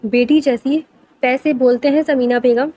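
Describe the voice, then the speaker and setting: A woman doing a harsh, accusing aunt from a storybook family drama, shrill and scornful. The voice is high, read in the narrator's own tone. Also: fairly even intonation, dark tone, lightly acted.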